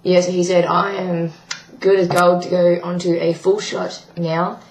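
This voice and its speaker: A young trans man with a croaky, breaking voice, giving a rambling video diary update with many ums. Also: high voice, little pitch movement, measured pace, echoey room, slight background noise, rough recording. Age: young adult. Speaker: vlogger. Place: small bedroom indoors. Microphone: webcam at desk.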